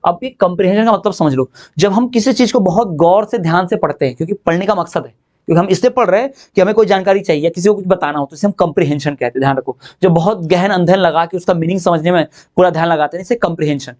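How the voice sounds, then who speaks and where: A man teaching exam preparation speaks in a high voice with a darkish tone, doing most of his explaining in Hindi. He often asks himself questions and answers them, and he slows down dramatically when reading the English definitions aloud.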